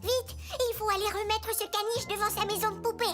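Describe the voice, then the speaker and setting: An actor voicing an earnest, excitable little boy in a cartoon, with simple childlike phrasing. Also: very high voice, brisk, music in the background. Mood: worried. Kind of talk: cartoon dub dialogue.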